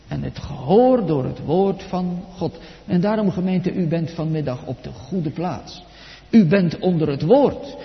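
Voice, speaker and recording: Emphatic preacher in a reverberant church. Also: male voice, on the high side, vocal fry. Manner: solemn, emphatic preaching with slow deliberate stresses. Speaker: pastor. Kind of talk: sermon. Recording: dull lo-fi church recording with long reverb.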